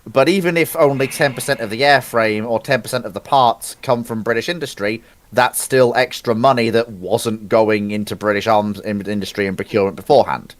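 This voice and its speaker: A man's voice: on the low side, fairly even intonation, brisk, few pauses. A man in a live debate on military procurement, earnestly building his argument step by step.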